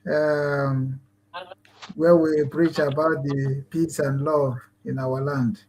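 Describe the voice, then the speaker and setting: A man's voice: fairly high pitch, level tone, slow pace, a little mellow, a little hiss or hum, low-quality recording. A man with a Nigerian Igbo accent, a native Igbo speaker, hosting an online talk show in a rambling, earnest way with many fillers and restarts. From Nigeria, Igbo land. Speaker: host.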